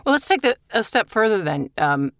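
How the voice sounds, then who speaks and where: A woman's voice: mid-range voice, very animated, moderate pace, vocal fry, fairly bright tone, no echo, clean studio sound. A woman co-hosting a podcast, asking a guest friendly follow-up questions. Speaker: podcast co-host. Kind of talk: interviewing a guest.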